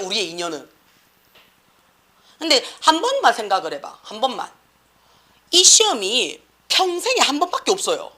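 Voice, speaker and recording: A woman's voice: fairly high pitch, a bit bright. A middle-aged woman with a Gyeongsang accent, an academy teacher lecturing and scolding students in a blunt, slangy way. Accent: Gyeongsang Korean.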